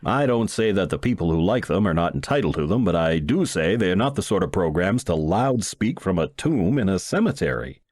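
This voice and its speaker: A man narrates a humorous short story in a low voice with very animated intonation. He reads as a wry first-person storyteller. The sound is dry, with no room to it. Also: fairly quick, hardly any pauses, no room sound. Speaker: audiobook reader.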